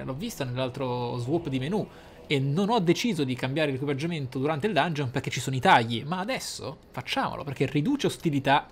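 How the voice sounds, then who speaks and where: A man commentating his game playthrough, thinking aloud in a deliberate, theatrical way with dramatic pauses. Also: a little high. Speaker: gaming YouTuber, player. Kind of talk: game playthrough commentary with role-play musing. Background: game music.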